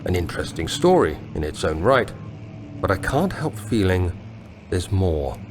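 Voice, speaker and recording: An actor with an English accent playing an earnest, anxious young gentleman explorer in a video game, with measured, literate diction. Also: sits low, very animated, background noise. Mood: reflective, earnest. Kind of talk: dramatic diary narration in a video game. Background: music.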